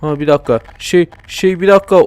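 A man's voice: fairly high pitch, fast, darkish tone, a little hiss or hum. Joking young man narrating gameplay. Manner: joking, talks back to game characters and viewers. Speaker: let's play commentator. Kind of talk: casual gameplay commentary.

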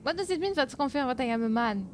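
A woman's voice: expressive, fast, a little hiss or hum. French-accented young woman streamer, playful. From France. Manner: playful, bursts into giggles, swings high when protesting. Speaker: VTuber streamer. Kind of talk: casual gameplay chat with viewers.

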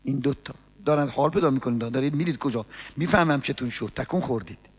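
A man preaching a mourning sermon with chanted lament, swinging between hushed murmurs and shouts. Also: mid-range voice. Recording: long hall reverb.

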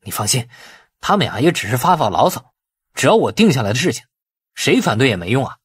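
A man's voice: medium pitch, very animated, fast talker, breathy edge, dry recording, studio quality. A man voicing a deferential, placating nephew in an audiobook drama. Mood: placating, explaining. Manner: explaining, placating.

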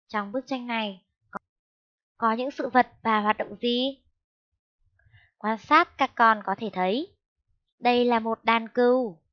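A woman teaching a first-grade lesson, speaking slowly and clearly and spelling out syllables in a raised, sing-song voice. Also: a little high. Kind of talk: slow, clear classroom lesson. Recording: dull lo-fi sound.

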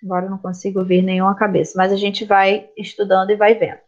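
A woman's voice: mid-range voice, level tone, fast talker. A woman with a Brazilian Portuguese accent, teaching a class online and patiently explaining grammar while checking in with students. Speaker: English teacher. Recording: slightly dull lo-fi audio.

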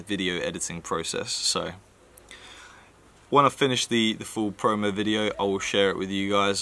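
A man's voice: low voice, pushed and bright. A man with a nasal voice, chatting casually to camera in a rambling vlog with plenty of fillers. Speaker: vlogger.

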